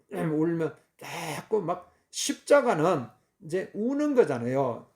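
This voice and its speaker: A male pastor preaching a fervent sermon, repeating phrases, often clearing his throat and using many fillers. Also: high voice, darkish tone.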